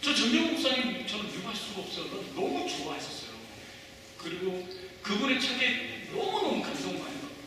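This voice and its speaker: Lively man preaching in an echoey hall. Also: high voice, background noise. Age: 40s. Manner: conversational, quizzing the congregation with questions. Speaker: pastor. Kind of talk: sermon. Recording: echoey hall, voice from far off the mic.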